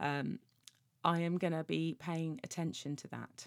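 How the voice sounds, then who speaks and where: Speaking with a British accent, a woman has a very deep, low pitch and ordinary pitch variation. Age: 40s. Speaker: life coach podcast host. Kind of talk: casual solo monologue. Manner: chatty, warm.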